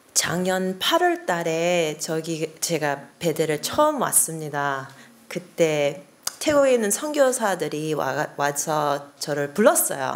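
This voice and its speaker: A woman speaks at a very slow pace in a fairly low pitch. Her pitch variation is ordinary. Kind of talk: self-introduction testimony. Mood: warm, cheerful, laughing. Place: studio. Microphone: podium.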